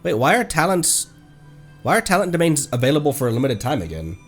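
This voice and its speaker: A man chatting casually on a live game stream, playful and quick to react excitedly. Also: a little high, breathy edge. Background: video game music.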